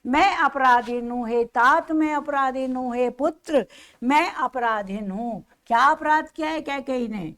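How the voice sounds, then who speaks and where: A woman with a somewhat high voice teaches a poetry lesson. She restates each verse in plainer words, circling back over the same point. She often turns to her students with rhetorical questions. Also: a little slow, fairly bright tone. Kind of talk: classroom lecture explaining a poem.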